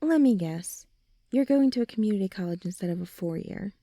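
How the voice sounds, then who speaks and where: A supportive teenage girl played by a woman speaks in a mellow, relaxed voice, recorded close and dry. She is gentle and reassuring, chatting informally like a caring best friend in an ASMR audio drama. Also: medium pitch, brisk, no room sound, lightly acted. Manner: gentle, reassuring, informal, often sighing or softly laughing.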